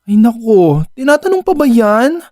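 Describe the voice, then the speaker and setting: A man's voice: very high voice, very animated, normal speed, darkish tone, no echo, studio quality. An actor playing a clingy, lovestruck gay man in a radio drama, coaxing and wheedling as he talks. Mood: pleading, devoted.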